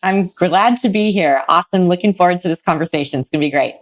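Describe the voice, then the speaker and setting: A woman's voice: lowish voice, quick pace. A middle-aged woman speaking as an expert podcast guest, conversational, articulate and explanatory. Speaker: child psychologist, podcast guest. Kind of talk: conversational interview, personal narration.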